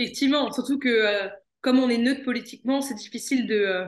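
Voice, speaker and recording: With a normal speaking voice, a woman talks at a fairly high pitch and with fairly even intonation. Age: 20s. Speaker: entrepreneur and media founder. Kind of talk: podcast interview.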